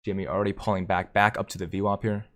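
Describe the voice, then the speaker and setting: Deep-voiced hyped man streaming live. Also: level tone, quick pace, a bit bright. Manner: hyped, reads viewer comments aloud. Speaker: livestream host. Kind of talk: live stock market commentary reading chat.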